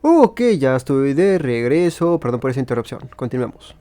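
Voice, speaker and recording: A man's voice: mid-range voice, very animated, fairly quick, warm tone, faint music behind. A man hosting a video game playthrough, giving running commentary. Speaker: gaming video host.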